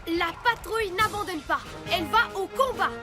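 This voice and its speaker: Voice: extremely high pitch, expressive, moderate pace. An actor playing a courageous little alien boy hero in a cartoon, eager and commanding. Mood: determined. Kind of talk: cartoon dub acting. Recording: loud music behind the voice. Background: cartoon music.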